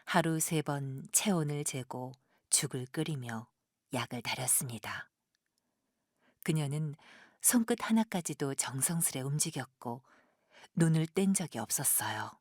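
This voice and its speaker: A female narrator tells a drama in a gentle, measured way. Her voice is low and breathy, captured close with a very dry sound. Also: animated, no room sound. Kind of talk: scripted audio drama narration.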